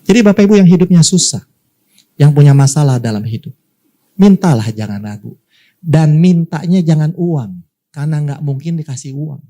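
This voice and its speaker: Man, pastor, animated sermon storytelling, slightly higher voice. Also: normal speed. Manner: lively storyteller, acts out voices, addresses congregation.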